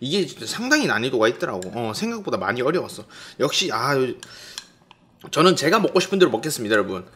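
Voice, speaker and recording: Speaking at a very fast pace, a man swings his pitch very widely. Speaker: eating show streamer. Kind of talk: casual vlog chat. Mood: playful, chatty. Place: home room.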